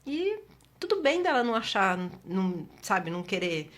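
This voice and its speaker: A middle-aged Brazilian woman with a Brazilian Portuguese accent, a guest chatting in an interview and telling stories with lively acted-out dialogue. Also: medium pitch, normal speed. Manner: expressive storyteller, acts out quoted dialogue. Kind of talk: casual interview chat.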